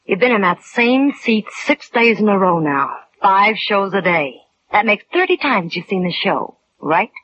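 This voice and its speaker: An actress playing a tough-talking, defensive carnival dancer, slangy and snappy, in an old radio crime drama. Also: female voice, medium pitch, animated, a little slow, fairly bright tone. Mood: tough, suspicious. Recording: muffled, hissy vintage radio recording.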